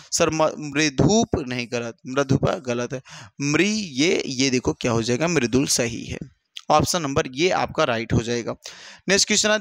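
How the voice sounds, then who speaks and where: A man teaching an exam-prep lesson in an animated way, repeating each answer and acting out students' replies. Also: a little high, no echo. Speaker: Hindi teacher.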